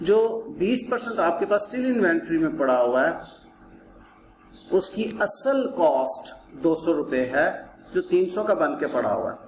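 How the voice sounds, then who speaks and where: Pakistani guy teaching a class, really unhurried, explains step by step n repeats stuff, echoey noisy recording. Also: a little high, sing-song. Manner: didactic, repeats points and asks rhetorical questions. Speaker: accounting teacher. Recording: roomy echo with clear background noise.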